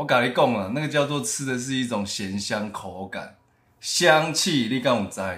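Speaking fairly slowly, a man of medium pitch uses lively intonation. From northern Taiwan. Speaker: podcast co-host. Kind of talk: casual chat. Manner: animated.

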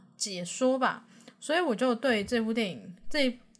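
A woman with a Taiwanese accent speaks with lively intonation. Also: very clean recording, silent background. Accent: Taiwanese Mandarin. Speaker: podcaster. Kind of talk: casual monologue.

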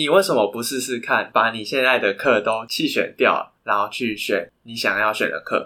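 On a very clean recording with a silent background, a man talks at a moderate pace with hardly any pauses. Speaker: podcast host; university student. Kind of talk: casual chat.

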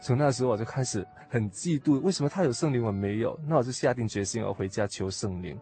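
Over music in the background, a man with a Hong Kong accent talks at a very fast pace with hardly any pauses, his medium pitch carried by lively intonation. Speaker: church member sharing life story. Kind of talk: interview testimony. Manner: hesitant, many fillers.

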